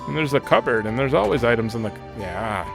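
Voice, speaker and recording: Talking fast with vocal fry and a very animated, medium-pitched voice, this thirties-aged let's play host plays a video game. He rambles in offhand commentary and reads the dialogue aloud while game music plays behind him.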